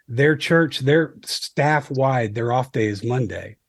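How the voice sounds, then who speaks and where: Against a quiet background, a man with a slight New England accent speaks at a very slow pace. His fairly high voice is somewhat breathy, with ordinary pitch variation. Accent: slight Yankee. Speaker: podcast host and music school leader. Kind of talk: casual chat.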